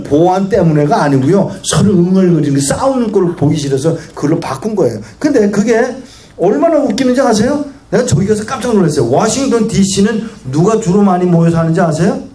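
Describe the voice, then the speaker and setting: In an echoey hall with faint noise, a male guest pastor with a high voice preaches at a normal speed. He's an animated storyteller who keeps asking the congregation questions.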